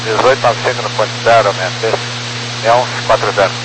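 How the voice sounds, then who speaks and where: A man's voice: on the low side, fairly even intonation, quick pace. A Brazilian man, an airline pilot, giving clipped readbacks over a walkie-talkie style radio. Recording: very noisy radio with hum.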